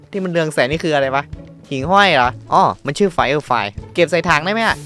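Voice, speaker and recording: An excitable man talks his way through a video game in a fairly high voice, narrating each move as he makes it. He blurts out startled shouts and coarse slang whenever something surprises him. Soft music plays faintly in the background. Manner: narrates his own actions and counts aloud. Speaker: gaming channel host. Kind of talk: casual let's-play commentary.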